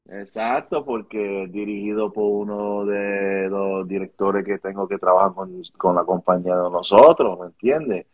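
A man's voice: lowish voice, fairly even intonation, measured pace, hardly any pauses, narrow, tinny audio. A man with a Caribbean Spanish accent answering casually as an interview guest, repeating words and mixing English phrases into his Spanish. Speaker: interview guest, music video director.

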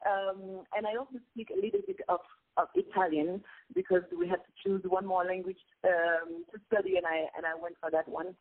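Over a tinny phone line, a woman talks fairly quickly in a lowish, expressive voice. She's a singer from Congo, a native Lingala speaker, chatting casually as an interview guest, thoughtful and sincere but often stopping to restart.

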